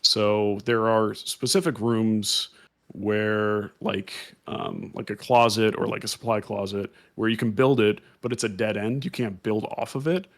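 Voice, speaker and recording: A man's voice: fairly low pitch, steady tone, measured pace. A man co-hosting a podcast, explaining things casually at length with many "um"s and restarts. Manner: rambling, explanatory, filler-heavy. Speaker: podcast co-host. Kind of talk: casual chat.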